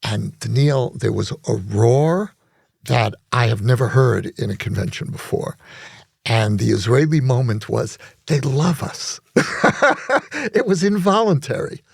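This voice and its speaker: A man co-hosting a podcast discussion, telling stories in a reflective, measured way. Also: mid-range voice, lively intonation, creaky, darkish tone, slightly rough, no room sound, studio quality. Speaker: podcast co-host.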